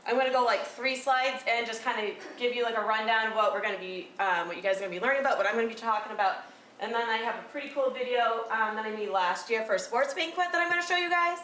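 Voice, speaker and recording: Chatty loud-voiced woman presenter. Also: on the high side, fast talker, slight background noise, poor audio. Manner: chatty, with many fillers and filler likes. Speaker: recreational therapist giving a presentation. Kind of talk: casual talk to a small audience. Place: room with a presentation screen.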